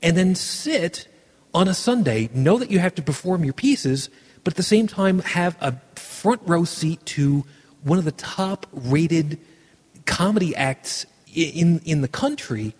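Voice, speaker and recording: A man's voice: a little high, animated, measured pace, darkish tone, slightly rough, big-room sound. A man hosting a casual podcast chat, rambling and restarting as he hunts for words. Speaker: podcast host.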